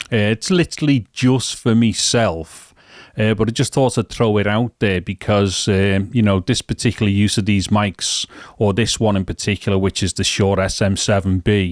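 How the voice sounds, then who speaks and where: A man's fairly low voice, dry and close with no echo, at a moderate pace with ordinary pitch variation. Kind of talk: casual talk to camera. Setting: studio, close microphone. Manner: measured, close-miked.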